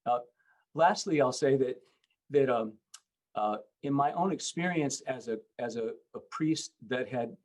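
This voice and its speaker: Middle-aged male bishop, mid-pitched, hesitant speaker with many restarts. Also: poor audio. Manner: halting, many fillers and restarts. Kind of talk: panel talk.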